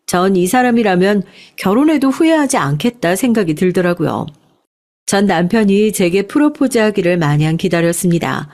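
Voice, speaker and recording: A woman narrating a first-person life story in a calm, confiding way. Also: medium pitch.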